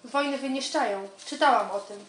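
An actress plays an eager young female army recruit in a radio comedy. Her high voice gives brisk, obedient replies with a straight face. The home recording sounds clearly roomy. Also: close to an everyday voice. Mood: eager, deadpan.

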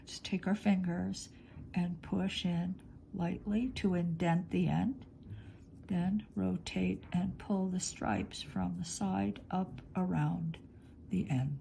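A middle-aged woman teaching clay work in her home studio, talking slowly as she thinks aloud, a little sniffly. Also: lowish voice, fairly even intonation, creaky, dark tone, slight background noise. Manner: slow, thinking aloud while working with her hands. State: sniffly, congested. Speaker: polymer clay artist teaching. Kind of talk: relaxed studio demonstration. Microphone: overhead camera on hands, speaker off screen.

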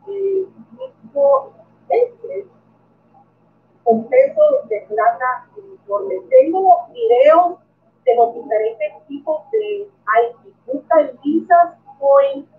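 Live from her bedroom, this coin-collecting YouTuber chats through viewer comments and says hello to people by name. She's a middle-aged woman with a Puerto Rican Spanish accent and an extremely high-pitched voice, picked up thinly and from afar by a webcam.

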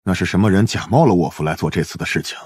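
A man's voice: low-pitched, rapid-fire, darkish tone, breathy edge, dry recording, clean studio sound. A man playing a businesslike investigator in an audiobook drama. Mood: serious. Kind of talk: Mandarin audiobook drama acting.

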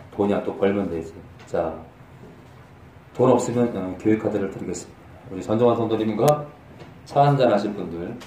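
A man's voice: medium pitch, recorded from a distance. Man preaching in an echoey room. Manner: conversational, animated, rising to emphatic peaks. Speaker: pastor. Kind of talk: sermon.

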